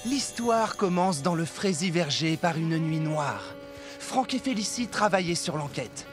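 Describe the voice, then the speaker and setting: An excitable young character from a children's cartoon. The delivery is eager and dramatic, with clear background music. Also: male voice, on the high side, measured pace. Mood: spooky, dramatic. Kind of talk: French-dubbed children's cartoon acting.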